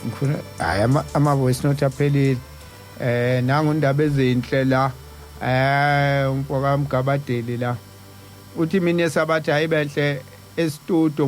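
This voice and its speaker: A South African man hosting a talk show in a casual, conversational way. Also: fairly high pitch. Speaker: radio host.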